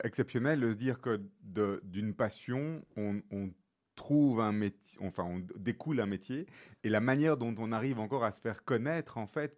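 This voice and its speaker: Man, middle pitch, co-host, thoughtful quick comments. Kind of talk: casual interview commentary.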